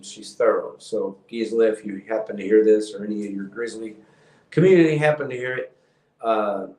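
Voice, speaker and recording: A man, hosting a livestream and rambling in a calm monotone with many ums. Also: fairly low pitch, echoey room, rough recording. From Texas. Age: 50s. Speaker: house painting business owner hosting a livestream. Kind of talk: rambling casual livestream talk.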